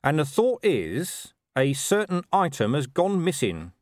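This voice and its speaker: A weary, sardonic police commander acted by an audiobook reader, a man. He talks in a dry, deliberate, clipped manner at a middling pitch, closely recorded with no room sound. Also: very animated, dry recording, close to an everyday voice. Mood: dry, probing. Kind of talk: audiobook character voice.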